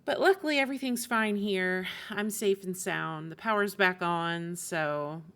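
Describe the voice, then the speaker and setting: A woman's voice: lowish voice, unhurried, fairly bright tone, smooth. A woman live-streaming a video game, chatting informally and thinking aloud in a rambling way. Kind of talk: casual chat while streaming a game. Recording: music behind the voice. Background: video game music.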